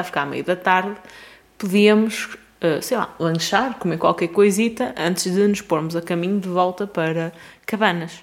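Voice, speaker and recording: The speaker has a European Portuguese accent and ordinary pitch variation. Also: woman. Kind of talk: casual chat.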